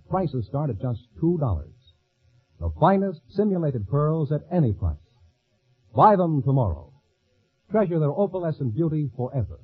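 Male American radio announcer, polished and formal, lively swooping pitch, husky edge, tinny old recording. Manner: polished, formal sales delivery. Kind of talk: mid-century American radio announcing and ad reading.

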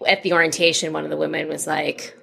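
A woman's voice: sits low, level tone, fast, creaky, sharp tone, slightly rough. A woman co-hosting a podcast, chatting casually and acting out quoted asides, recorded at a busy conference. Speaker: podcast co-host. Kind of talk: casual chat.

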